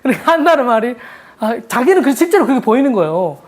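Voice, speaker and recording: Animated woman preaching conversationally. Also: fairly high pitch, quick pace. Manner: conversational, animated storytelling with rhetorical questions. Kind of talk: sermon.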